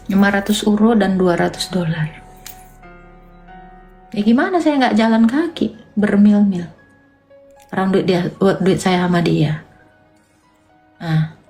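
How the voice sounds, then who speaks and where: Woman livestream host; emotional, defensive, voice jumps high when agitated, faint music underneath. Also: takes it slowly, pauses often, mellow. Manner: emotional, defensive, talks to viewers directly. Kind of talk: casual livestream chat answering comments.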